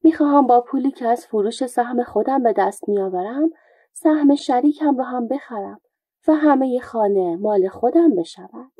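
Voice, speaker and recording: A woman's voice: fairly high pitch, lively intonation, mellow, slightly rough, dry recording, poor audio. A woman doing a sly old joker man. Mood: wry. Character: sly old male folk joker, wry.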